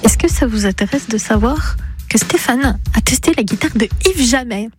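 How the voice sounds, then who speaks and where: A woman with a slightly high voice reads scripted links on local radio. Her delivery is smooth and upbeat. Faint music plays under her in the studio. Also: animated, normal speed. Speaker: radio presenter.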